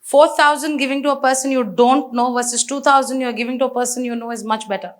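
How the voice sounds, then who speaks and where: A woman with an Indian English accent giving a lively seminar talk, asking the audience questions. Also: sits high, quick pace. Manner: energetic, asks the audience questions. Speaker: business speaker.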